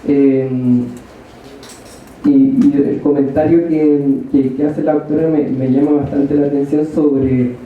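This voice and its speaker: A man's voice: fairly high pitch, little pitch movement, a little slow, slight background noise. A man from northern Chile with a Chilean accent, commenting hesitantly from the audience at a panel, with many fillers and restarts. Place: large lecture hall. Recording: distant, echoey hall, thin phone-like sound.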